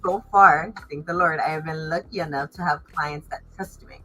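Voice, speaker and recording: A woman's voice: low-pitched, fairly even intonation, normal speed, a bit bright, poor audio. A woman chatting casually as a fashion designer in an interview, stressing words emphatically. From Los Angeles area, United States.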